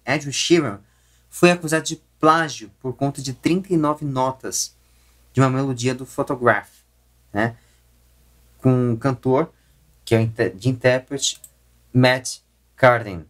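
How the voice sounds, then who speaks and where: A Brazilian man speaks as a video host at a middling pitch. He explains his opinions in a halting, searching way, often stopping to rephrase or correct himself as he goes. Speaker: YouTube host. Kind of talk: opinion commentary to camera.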